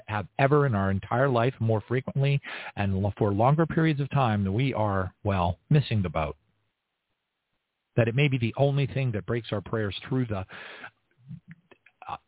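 A man leading a spontaneous spoken prayer, earnest and halting, with frequent restarts. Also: fairly low pitch, no echo. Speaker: prayer leader. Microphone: online stream. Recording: tinny phone-like line, dry.

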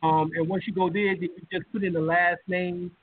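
A man's voice: high-pitched, flat delivery, brisk, breathy edge. Emphatic man on a tinny call line. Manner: emphatic, with many fillers and rising heat. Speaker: lecturer and show host. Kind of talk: casual live-stream lecture. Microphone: video call.

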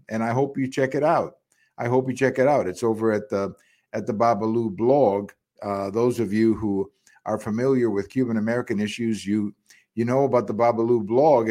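Middle-aged man, mid-pitched voice, solo political podcast host, indignant, repeats himself, lots of uh's. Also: a little mellow. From Cuba. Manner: indignant, repetitive, many fillers and restarts. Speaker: podcast commentator. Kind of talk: political commentary monologue.

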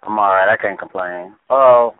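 Trinidadian guy calling in, casual, kinda low voice, dry phone sound. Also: moderate pace, no echo. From Trinidad and Tobago. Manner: casual, friendly. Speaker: caller. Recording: dry tinny phone line.

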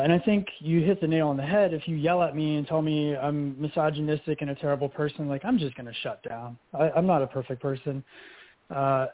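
A man hosting a radio interview, who sums up what his guest says and asks probing questions in a measured way. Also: a little high. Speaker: radio show host. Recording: dry phone-like narrow band.

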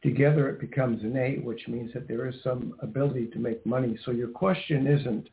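A man's voice: mid-range voice, fairly even intonation, a little fast, gravelly, slight background noise. A man hosting a psychic radio show, reading numbers and asking the caller direct questions. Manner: probing, asks direct questions. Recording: tinny phone line.

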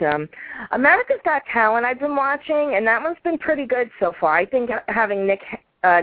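A woman's voice: mid-range voice, no room sound. A woman chatting casually and bluntly as a phone-in co-host. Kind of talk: casual chat. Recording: dry tinny phone line.

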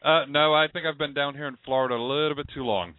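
A man's voice: a little high, fairly even intonation, quick pace, dry recording. A man from Rhode Island hosting a call-in show in a casual radio style. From Rhode Island, United States. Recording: narrow, phone-like sound.

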